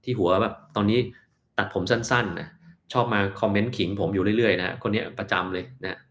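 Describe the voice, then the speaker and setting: A man with a fairly low voice hosts a casual live-stream Q&A as a doctor, answering viewers' health questions. He talks in a blunt, offhand way and sometimes drifts into mocking asides. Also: brisk, fairly bright tone. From Thailand.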